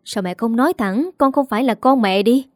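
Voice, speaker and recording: Reproachful, shouting adult son, read by a woman storyteller; mellow voice. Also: on the high side, brisk, dry recording, studio quality, lightly acted. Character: bitter grown eldest son.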